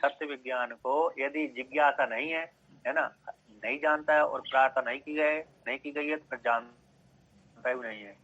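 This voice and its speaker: A man's voice: mid-range voice, steady tone, normal speed, a bit bright. A man giving a scripture lecture, explaining step by step, repeating phrases and checking that listeners follow. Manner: repeats phrases, checks understanding with short questions. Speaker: scripture teacher. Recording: dull lo-fi recording.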